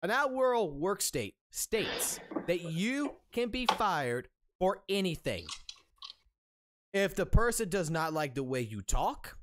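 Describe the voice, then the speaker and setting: A man in his thirties rants into his stream mic, swearing constantly and circling back over his points. His pitch swings widely as he gets worked up. A faint hiss sits under the voice. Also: sing-song, slow pace. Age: 30s. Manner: profane, heated, rambling with restarts. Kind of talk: ranting open discussion.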